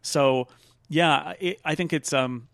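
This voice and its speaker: A man talks through a TV episode with a co-host in an easygoing, rambling way, full of fillers and restarts. His voice has a gravelly, creaky edge. The sound is dry and close. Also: a little high, fairly bright tone, dry recording. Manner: chatty, quick asides, frequent fillers and restarts. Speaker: podcast co-host. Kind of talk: casual chat reviewing a TV episode.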